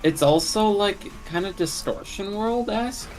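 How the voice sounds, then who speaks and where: A man's voice: high voice, measured pace, darkish tone, faint music behind, rough recording. A man chiming in with offhand, mumbled remarks from across the room during a stream. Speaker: friend off-mic.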